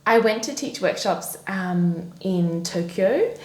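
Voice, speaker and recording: A woman's voice: mid-range voice, expressive, slow pace. A young woman, French her first language, chatting casually as a podcast guest with many fillers and restarts. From France. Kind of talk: casual interview chat. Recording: echoey room.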